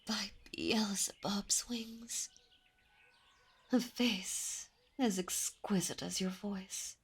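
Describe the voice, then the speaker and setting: A woman's voice: mid-range voice, steady tone, drawn-out words, slightly rough, heavily acted. A woman voicing a commanding, seductive demon princess in an ASMR roleplay, speaking in a teasing, imperious and intimate way. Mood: intrigued.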